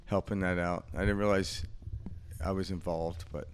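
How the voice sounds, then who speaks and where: A man's voice: low voice, little pitch movement, normal speed, a little hiss or hum. A man in his fifties co-hosting a podcast, talking in a rambling, reflective way with lots of fillers and easy laughter. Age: 50s. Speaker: podcast co-host. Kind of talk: casual spiritual chat.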